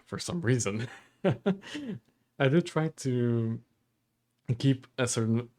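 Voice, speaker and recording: A young man with a Portuguese accent, a livestreamer chatting casually with viewers in a deliberately lowered, calm voice, with a dry throat and frequent chuckles. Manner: chuckles often between phrases. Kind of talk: casual stream chat reading viewer comments.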